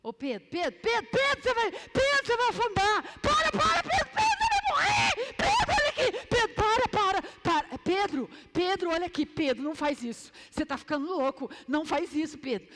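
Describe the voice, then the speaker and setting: A woman preacher acting out a panicked male disciple yelling frantically from a boat. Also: big pitch swings, fairly quick, hardly any pauses, in a large hall, full character voice. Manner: frantic, shrill shouting.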